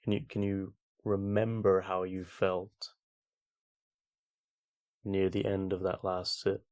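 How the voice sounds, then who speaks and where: A man with a fairly low voice guides a meditation. His delivery is very slow and flat in melody, with long gaps between gentle instructions. He sounds like a calm teacher talking a group through their practice. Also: clear, resonant tone.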